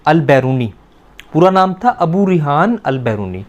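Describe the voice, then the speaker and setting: A man teaching a language lesson, explaining step by step, repeating words slowly and quizzing a student. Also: on the high side, big pitch swings, darkish tone, dull audio.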